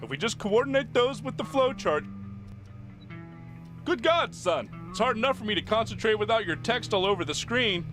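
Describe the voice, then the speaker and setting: A man voicing a gruff, bossy team leader in an animated comedy, threatening and preachy. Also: sits high, moderate pace, over music. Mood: menacing, exasperated.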